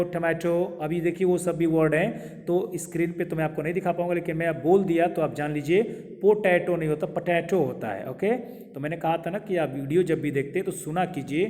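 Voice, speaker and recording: A man teaching English pronunciation to viewers, repeating each word slowly and quizzing them with questions. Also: fairly high pitch, dark tone. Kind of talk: pronunciation lesson to camera. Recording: long hall reverb.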